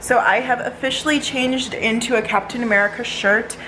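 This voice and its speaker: Chatty woman vlogger with a higher voice. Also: fairly even intonation, brisk, sharp tone, slight background noise, rough recording. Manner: chatty, informal, talking to viewers. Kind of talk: casual day-in-the-life vlog chat.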